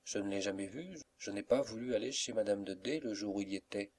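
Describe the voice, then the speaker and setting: A man's voice: lowish voice, a little fast, darkish tone, natural voice. A man reading as a timid young woman. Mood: anxious. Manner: hesitant, pleading questions.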